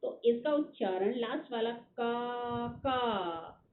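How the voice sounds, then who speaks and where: A woman teacher giving a recorded grammar lesson, repeating each definition slowly for dictation and drawing out vowel sounds to demonstrate them. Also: on the high side. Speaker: school Hindi teacher. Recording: tinny, echoey phone recording with faint noise.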